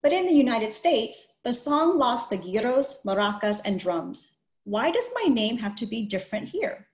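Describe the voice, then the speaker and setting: Higher-pitched woman reading aloud, echoey room. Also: big pitch swings, moderate pace, darkish tone. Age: middle-aged. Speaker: host reading a children's book. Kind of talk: picture book read-aloud. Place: plain small room, indoors. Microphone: video call computer microphone. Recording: roomy, echoey video call.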